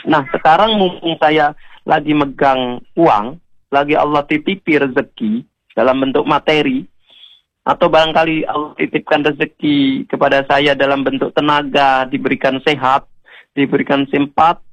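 Earnest preacher with a dry studio voice. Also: male voice, fairly high pitch, dry recording, muffled recording. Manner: earnest, gently exhorting, addresses listeners directly. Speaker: Islamic preacher (ustaz). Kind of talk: radio sermon answering callers.

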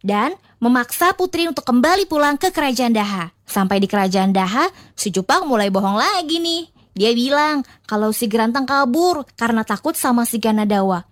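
A woman storyteller narrating a folktale in a casual, expressive, gossipy way with informal asides. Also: fairly high pitch, normal speed, dry recording, studio quality.

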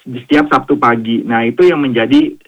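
A man from Jakarta answering questions as a radio guest, hesitant and friendly, full of pauses. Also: medium pitch, fairly bright tone, poor audio. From Jakarta, Indonesia. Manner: hesitant, many fillers and restarts, friendly. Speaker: guest, founder of a swimming community.

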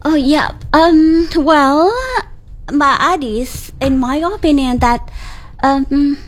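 High-pitched indonesian-accented woman guest, javanese first language, friendly, laughs a lot. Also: steady tone, slow pace, poor audio. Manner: friendly, agreeable, laughs easily. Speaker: English lecturer and guest. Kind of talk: interview talk.

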